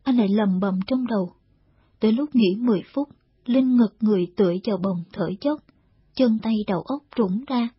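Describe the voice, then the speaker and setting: A woman narrating a war novel in a steady, measured storytelling read, in a dull lo-fi audiobook recording. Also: fairly high pitch, husky, no echo.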